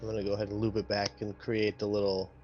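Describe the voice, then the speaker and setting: A man's voice: lowish voice, level tone, fast, a little mellow. A man playing a tabletop roleplaying game, chatting casually with hesitant, hedging phrasing. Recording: dull lo-fi mic, background noise.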